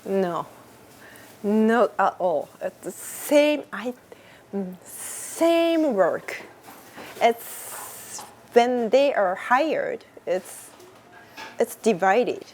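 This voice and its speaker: Japanese-accented woman in her 40s, slow deliberate English, faint background hiss. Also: mid-range voice, big pitch swings, a little mellow. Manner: slow, searching for words, laughs often. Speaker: interviewee, Japanese teacher. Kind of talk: casual interview answers.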